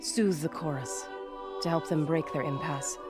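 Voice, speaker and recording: A woman playing a composed, reverent tribal guide in a video game, speaking in a formal, measured way. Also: sits low. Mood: calm, reassuring. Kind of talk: video game cutscene acting. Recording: loud music behind the voice. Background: music.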